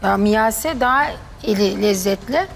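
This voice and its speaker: A woman's voice: mid-range voice, expressive, unhurried, gravelly, faint music behind. An older woman judging as mother-in-law on a cooking show, defensive and exasperated about her scores. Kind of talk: reality show bickering. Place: TV studio set.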